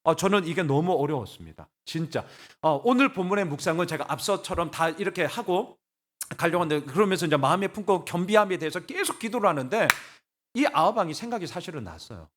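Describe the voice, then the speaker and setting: A man preaching a Sunday sermon as pastor, animated and conversational, blunt and colloquial, asking his congregation rhetorical questions. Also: fairly high pitch, fast talker. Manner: blunt, colloquial, laughing at times. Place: church sanctuary.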